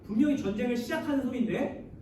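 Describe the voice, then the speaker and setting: High-voiced young pastor in an echoey hall. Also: male voice, fast talker, mellow, far from the mic. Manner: addresses the listeners often and asks them questions; leads the congregation in reading scripture aloud. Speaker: youth pastor. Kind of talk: sermon to high school students. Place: large church hall. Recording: very echoey hall, voice heard from afar, faint noise.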